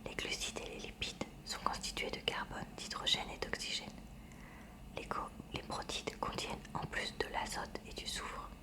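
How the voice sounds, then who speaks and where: A woman whispering throughout in a hushed library manner, reading a school textbook aloud as ASMR with measured, careful enunciation.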